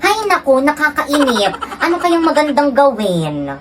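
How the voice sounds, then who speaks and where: Squabbling siblings, played by a woman, accuse and deny in a family comedy skit. The voice is fairly high for a woman, over loud music. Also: big pitch swings, a little slow. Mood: bickering. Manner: bickering, accusing.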